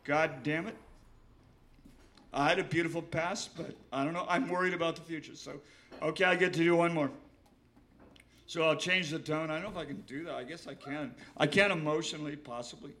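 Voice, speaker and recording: An older man from Oregon reading his poems aloud, halting and emotional, repeating himself and swearing between stanzas. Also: fairly high pitch, fairly even intonation, sharp tone. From Willamette Valley, Oregon. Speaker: poet reading his work. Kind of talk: poetry reading with spoken asides.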